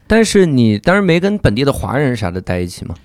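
Lively jokey male podcast host. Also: mid-range voice, no room sound, studio quality. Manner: jokey, quick to quip and laugh. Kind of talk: casual chat.

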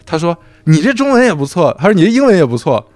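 A man's voice: on the high side, quick pace, no echo. A man from Xinjiang, China, a podcast guest telling a story in casual chat and acting out quoted dialogue. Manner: animated, acts out quoted dialogue.

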